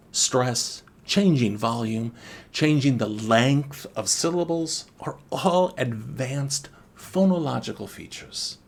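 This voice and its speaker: Slow husky-voiced guy teaching an english test lesson, pitch moves around a lot. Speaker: IELTS teacher and former examiner. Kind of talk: scripted teaching video.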